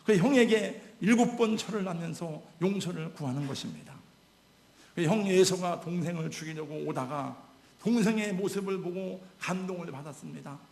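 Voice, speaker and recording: A man's voice: high-pitched, creaky, a little mellow. A male pastor preaching an emotional, exhorting sermon in a church. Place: church sanctuary. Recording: echoey church hall.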